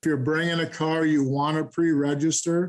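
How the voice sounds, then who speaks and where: A man talks in a flat, monotone way with an American accent. The recording is very clean, with a silent background. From Minnesota, Stillwater. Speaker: car enthusiast, nonprofit founder. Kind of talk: casual chat.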